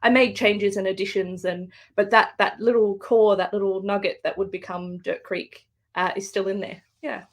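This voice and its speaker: A woman's voice: mid-range voice, fairly even intonation, moderate pace. An Australian woman, an author, speaking thoughtfully with fillers and restarts in a live book interview over a video call. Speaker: guest author.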